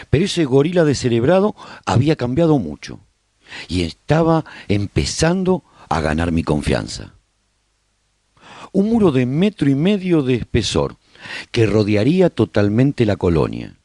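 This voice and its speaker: A man playing a survivor who recounts life in a post-apocalyptic colony, narrating a radio serial in an expressive, husky storytelling voice. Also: medium pitch, no echo, studio quality, exaggerated voice. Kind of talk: scripted first-person radio drama narration.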